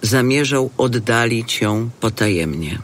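A man's voice: mid-range voice, expressive, unhurried, slight background noise. A man narrating scripture from a script for an audio drama.

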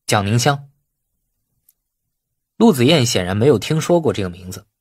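A man's voice: medium pitch, very animated, fast, a little mellow, slightly rough, no echo, clean studio sound. A man reading a novel as a scripted, dramatic audiobook narration.

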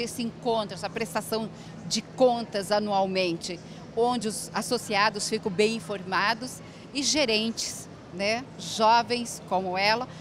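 A woman's voice: medium pitch, background noise. A middle-aged woman hosting a variety show, interviewing a guest with a handheld mic in a big event hall, chatty and complimentary. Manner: chatty, warm compliments, laughs. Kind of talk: casual interview chat. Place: large indoor event hall.

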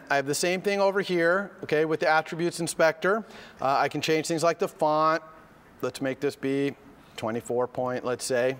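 A man with a slightly hoarse voice from a cold, teaching a live coding lecture step by step and often checking in with "okay?". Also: fairly high pitch, fairly bright tone. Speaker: university lecturer. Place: lecture hall. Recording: lecture hall with long reverb.

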